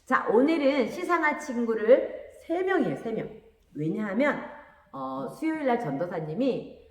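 Woman children's preacher, expressive storyteller, lively pitch, echoey hall sound. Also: normal speed. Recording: echoey room with long reverb.

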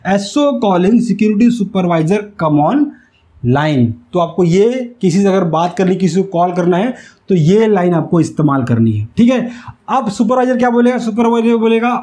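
A man teaches in a high, soft-edged voice. He explains things step by step as an instructor does, going back over key phrases so they stick. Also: animated, a little slow. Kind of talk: instructional whiteboard lesson. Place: small indoor room with whiteboard. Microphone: lapel mic.

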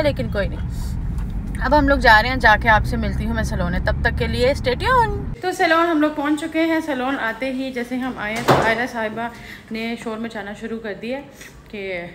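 A young woman chatting casually to camera as a vlogger, first from a car, then in a salon. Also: fairly high pitch. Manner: chatty, talks straight to camera. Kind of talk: casual vlog chat. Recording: car and street noise behind.

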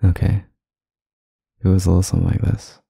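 A man performing an ASMR roleplay as a flirty, self-deprecating club singer, speaking casually with hesitant, softly teasing delivery over music. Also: deep voice, little pitch movement, fairly quick, creaky. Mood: wry, flirty. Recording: close dry mic, music behind. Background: music in a staged club scene.

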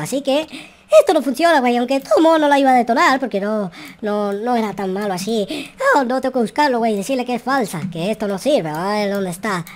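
A performer voicing an excitable, mischievous young noob in an improvised Minecraft roleplay, exclamatory and slangy, peppered with English curses. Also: medium pitch, lightly acted.

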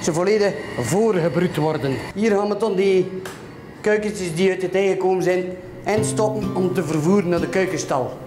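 High-voiced Flemish farmer giving a tour. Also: male voice, moderate pace, over music. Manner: chatty, many "hè" and "voilà" tags. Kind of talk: explaining on a guided tour. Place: farm sheds and outdoor pens.

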